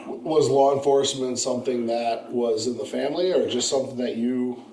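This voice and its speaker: A man's voice: mid-range voice, moderate pace, mellow, echoey room, a little hiss or hum, poor audio. A man hosting a podcast, chatting with a guest in a laid-back, enthusiastic way. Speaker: podcast host. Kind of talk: casual interview chat.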